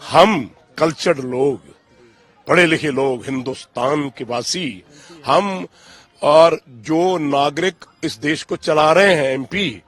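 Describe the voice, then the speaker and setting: An older man, answering interview questions with emphatic, indignant passion, booming at times and dropping low at others. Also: slow pace. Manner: emphatic, indignant, swings between loud outbursts and low, pained tones. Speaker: interviewee, father of a cricketer.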